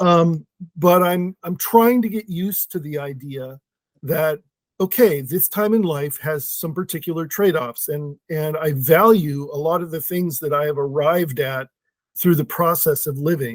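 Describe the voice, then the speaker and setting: Dry and close with no echo, a man's ordinary speaking voice comes through at a fairly high pitch and moderate pace with ordinary pitch variation. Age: 60s. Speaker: author and activist. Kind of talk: podcast interview.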